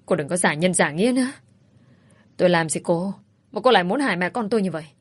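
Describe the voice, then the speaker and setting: A woman's voice: on the low side, animated, quick pace, breathy edge. A woman voicing a scheming pregnant young woman who wails and accuses. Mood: wailing. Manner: plaintive, wailing, accusing.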